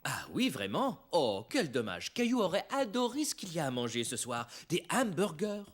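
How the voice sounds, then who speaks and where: A woman's voice: low voice, very animated, moderate pace. An actor playing a kind, playful father in a French-dubbed children's cartoon, speaking expressively.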